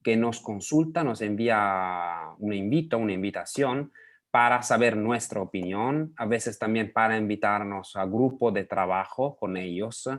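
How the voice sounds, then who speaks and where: Italian guy on a video call, kinda low voice, lots of eh and pauses in his spanish. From Italy. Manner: hesitant, many pauses and fillers. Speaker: interview guest, lobbying association head.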